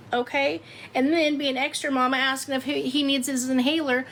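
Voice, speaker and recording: A woman in her fifties chatting casually with viewers on a livestream, loud and laughing often. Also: high-pitched, slight background noise. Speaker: live streamer.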